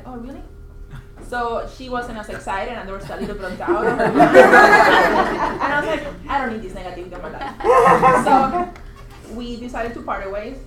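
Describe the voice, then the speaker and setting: Woman from puerto rico chatting at a team meeting, echoey office room, far camera. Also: a little high. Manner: chatty, animated retelling with quoted asides. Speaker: interviewed agent. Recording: echoey room, faint hiss.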